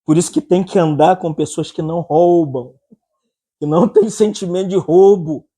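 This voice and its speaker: A man's voice: on the high side, normal speed, mellow, husky. A man with a Brazilian accent preaching a humorous sermon, joking, laughing often and acting out anecdotes.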